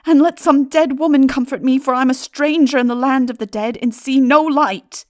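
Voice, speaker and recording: A woman's voice: high voice, steady tone, normal speed, no echo, voice pushed up, lightly acted. A melancholy young man played by a woman in a storybook reading. The delivery is earnest and declamatory, full of anguish, in a dry close recording. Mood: anguished pleading. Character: anguished young man wandering enchanted lands, pleading, melancholy. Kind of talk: dramatic audiobook acting.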